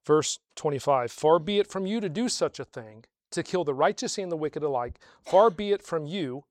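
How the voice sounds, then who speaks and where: A man preaching a sermon to a congregation, asking rhetorical questions and slowing down to stress key phrases. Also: on the high side, dry recording, clean studio sound. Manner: swells louder on key phrases, slows for emphasis. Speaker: pastor.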